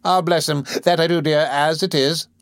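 A man's voice: fairly high pitch, fairly even intonation, normal speed, smooth, dry recording, studio quality, pitched above the performer's own voice, natural voice. A man voicing a sly, sugary older nurse woman in an audiobook, coaxing and persuasive. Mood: wheedling. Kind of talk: audiobook character voice.

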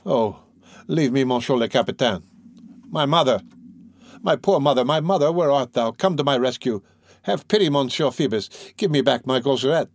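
A man's voice: mid-range voice, lively intonation, moderate pace, no room sound. A man voicing a passionate young gypsy girl in an audiobook, imploring and devoted in archaic words. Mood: frightened, pleading.

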